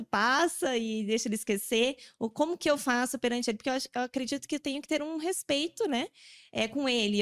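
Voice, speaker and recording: A Brazilian woman puts a question to a podcast guest, and her Brazilian Portuguese accent carries through. Her fairly high voice pauses often and searches for words. The recording is dry and close. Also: no room sound. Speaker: audience member asking a question.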